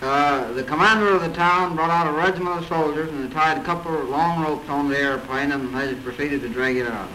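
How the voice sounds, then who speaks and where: Over noticeable background noise, a man with a fairly high pitch talks at a fairly quick pace with hardly any pauses. His pitch variation is ordinary. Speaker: aviator. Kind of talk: newsreel interview answer.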